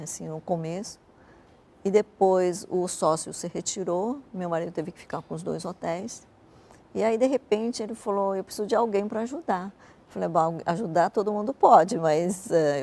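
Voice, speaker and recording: In a lowish, dark voice with vocal fry, an older woman raised in Japan and speaking natively recalls her life as an interview guest and businesswoman. Her reflective, conversational storytelling is peppered with "né", and a little hiss or hum can be heard.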